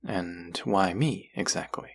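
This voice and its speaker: Man as a very deep, gravelly, possessive demon. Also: full character voice. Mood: wry, probing. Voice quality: low, husky, gravelly. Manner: slow, teasing, menacing, often dropping to a whisper. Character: possessive, seductive demon who craves human hearts. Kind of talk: intimate scripted audio roleplay.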